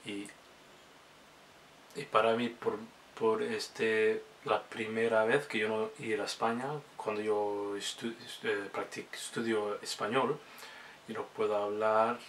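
A man whose first language is Somali speaks hesitantly as a language learner in a casual vlog, his speech halting and full of restarts. His voice is lowish and a bit bright, with slight background noise.

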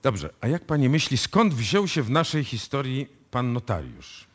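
An actor playing a confident police detective who deliberately lays out a case in a radio play. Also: male voice, medium pitch, big pitch swings, slightly rough. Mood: explaining, assured. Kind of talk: live radio drama acting in Polish. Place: radio music studio, performed live before an audience.

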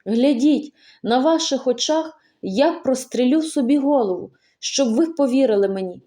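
A frantic young student begs to be believed, his voice pushed up loud and pleading, as a woman reads him. The tone stays soft and mellow, a little high. It is an audiobook reading of a tense story. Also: lively intonation, normal speed. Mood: desperate. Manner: pleading, raised and insistent.

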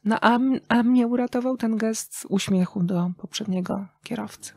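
A woman speaking as an interview guest, reflective and conversational, with thoughtful, halting phrasing and pauses. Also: fairly high pitch, a little mellow, dry recording. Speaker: interview guest, writer and radio journalist.

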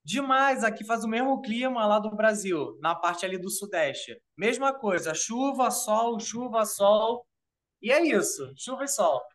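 A man in his thirties with a Carioca accent, chatting on a video call in a relaxed, rambling way. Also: high voice, unhurried. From Rio de Janeiro, Brazil. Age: 30s. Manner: relaxed, rambling with fillers like "tipo" and "entendeu". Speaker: interview guest. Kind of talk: casual video-call chat.

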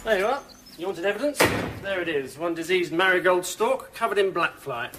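An actor playing a pompous neighbour ranting accusingly about next door in a sitcom. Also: male voice, high voice, expressive, brisk, loud music behind the voice. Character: pompous, suspicious neighbour husband. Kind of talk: sitcom acting. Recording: noisy old TV broadcast audio.

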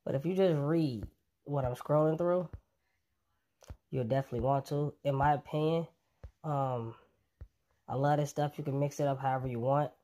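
A fitness vlogger casually pitching a coffee to his viewers, relaxed and chatty, with plenty of ums. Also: normal speed, long pauses.

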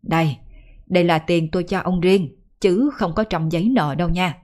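A woman's voice: on the low side, normal speed, darkish tone, close to an everyday voice. A woman voicing a scheming young rich man who lends money to trap a gambler, in a folk ghost story. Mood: sly. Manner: sly, falsely friendly. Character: smug young rich master, scheming lender.

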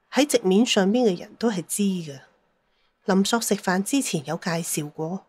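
A woman's voice: a little high, darkish tone. A woman telling a dramatised story as an audiobook narrator, with a Cantonese accent.

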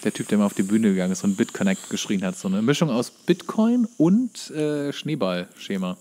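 Animated joking man from West Berlin. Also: fairly low pitch, moderate pace. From West Berlin, Germany. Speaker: podcast co-host. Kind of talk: casual comedic banter.

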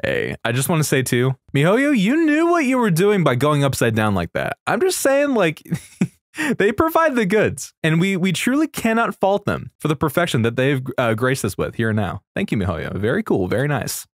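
A young man giving casual, excitable reaction commentary on game videos, slangy and sweary. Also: on the high side, a little fast, hardly any pauses, dry recording, clean studio sound. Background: faint music.

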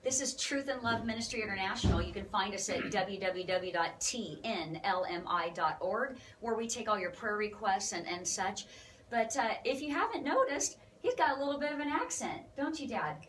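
A woman hosting a Christian ministry broadcast, excited and upbeat with a preachy lilt. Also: medium pitch, normal speed, distant mic, a little hiss or hum, low-quality recording. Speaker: ministry host.

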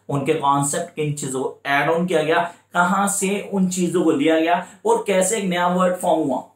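An Indian man with a slightly high voice and an Indian English accent tutors an exam-prep class, lecturing in a mix of Hindi and English. He's repetitive and coaching in manner, slowing way down for English phrases, and the room is echoey.

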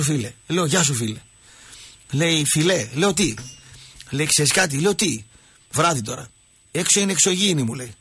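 A man hosting a radio show, telling jokey stories and talking with callers in an animated way. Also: on the high side, breathy edge, no room sound. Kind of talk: casual radio talk.

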